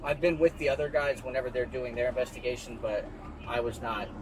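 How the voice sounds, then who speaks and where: A male police investigator questioning and explaining procedure in a measured, matter-of-fact way with hesitations, recorded on a body camera outdoors. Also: mid-range voice, fairly even intonation, a crowd in the background. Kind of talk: casual, procedural questioning during an arrest. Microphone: body-worn camera. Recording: noisy outdoor bodycam audio.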